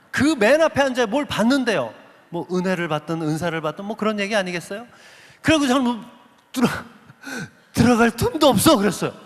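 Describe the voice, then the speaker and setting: A man giving an animated testimony to a church congregation, telling his story vividly, acting out voices and putting questions to the listeners. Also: sits high. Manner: lively storyteller who acts out quoted voices and asks the audience questions. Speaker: guest speaker giving a testimony. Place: large church sanctuary. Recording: long reverb of a big sanctuary.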